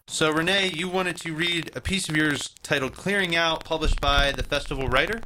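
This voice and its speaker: A man's voice: a little high, normal speed, background noise. A man hosting a radio show, chatting casually with his guest and rephrasing his questions as he goes. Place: radio studio.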